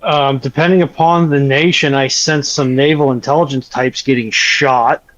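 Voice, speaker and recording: A man's voice: medium pitch, steady tone, normal speed, fairly bright tone. A man chatting casually as a panelist in a wry manner, on a dull, lo-fi connection. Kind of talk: casual live discussion.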